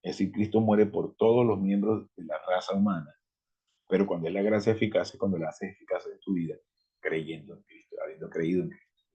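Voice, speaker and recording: Deep husky man teaching Bible study. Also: steady tone, brisk, dull audio. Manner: emphatic, reads scripture aloud and explains it.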